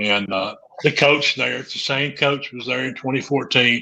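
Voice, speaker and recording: A man with a Mississippi accent talks at a moderate pace with fairly even intonation. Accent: Southern US (Mississippi). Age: 50s. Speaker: retired pro wrestler and wrestling promoter. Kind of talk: interview.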